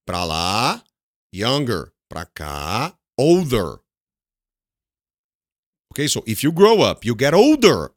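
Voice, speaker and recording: A Brazilian man with a Brazilian Portuguese accent teaching an English lesson. He slips into Portuguese to explain, repeats words slowly, and asks his students questions that he then answers himself. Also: medium pitch, huge pitch swings, no echo, studio quality.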